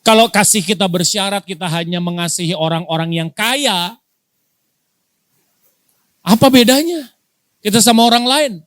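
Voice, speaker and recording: A man's voice: high-pitched, normal speed, long pauses, a bit bright, no room sound. A male pastor from Indonesia preaching a sermon, firing rhetorical questions at the congregation and dropping into casual slang. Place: church.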